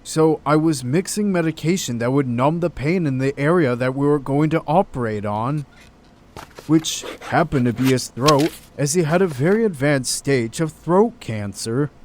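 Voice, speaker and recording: A man's voice: on the high side, lively intonation, moderate pace, close to an everyday voice. A man acting a troubled, wrongly accused doctor in an audio drama, hesitant and earnest. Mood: troubled, subdued. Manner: hesitant, stammering, protesting. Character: distraught, indignant male doctor, wrongly accused. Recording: faint background noise.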